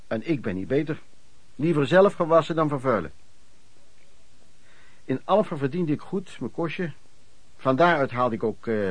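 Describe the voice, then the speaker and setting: Actor as old-fashioned storytelling traveling merchant, dry sound. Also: male voice, medium pitch, no echo, natural voice. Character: male former traveling merchant recounting his lodging-house years. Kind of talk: radio drama reminiscing narration.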